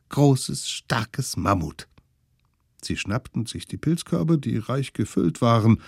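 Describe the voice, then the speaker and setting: Slow, expressive male storyteller. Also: fairly low pitch, gravelly, slightly rough, no echo, studio quality. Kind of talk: children's story narration.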